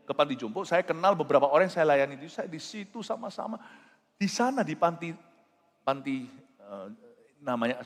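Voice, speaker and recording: A male pastor preaching a sermon in an animated, emphatic way, telling stories and slipping in English phrases. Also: medium pitch. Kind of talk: sermon with storytelling. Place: church. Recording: reverberant church hall with faint music.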